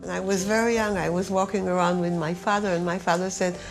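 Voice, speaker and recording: A woman's voice: lowish voice, fairly even intonation, quick pace, soft background music, low-quality recording. A woman being interviewed for a documentary, speaking in a thoughtful, earnest way. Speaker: interviewee, family member.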